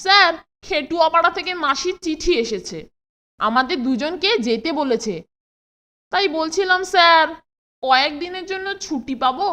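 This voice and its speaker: A woman's voice: very high voice, expressive, moderate pace, sharp tone, heavily acted. A woman voicing an eager, bossy, impatient young boy in a children's cartoon. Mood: polite.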